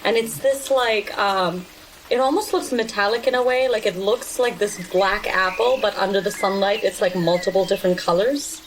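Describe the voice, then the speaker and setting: A woman with a mid-pitched voice improvises a story for a tabletop game. Her phrasing is loose and conversational, full of small hesitations. A little noise sits behind her. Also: low-quality recording. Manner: halting, loose phrasing with many likes.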